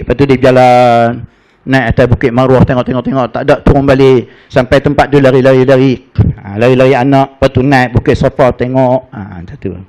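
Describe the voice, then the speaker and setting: A man's voice: medium pitch, a little mellow, rough recording. A middle-aged man with a Malaysian Malay accent teaching a casual religious class, telling stories in a chatty, folksy way and reciting Arabic verses.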